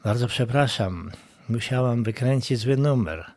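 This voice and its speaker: A man's voice: medium pitch, measured pace, darkish tone. A man reading as a soothing older woman on the phone. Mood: apologetic. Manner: soothing, reassuring.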